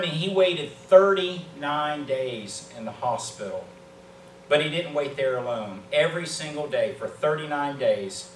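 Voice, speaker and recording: A man in his fifties with an American accent preaches a sermon earnestly, with emphatic pauses and repetition. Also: on the high side. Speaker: pastor. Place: small church sanctuary, indoors. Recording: roomy, distant mic with background hum.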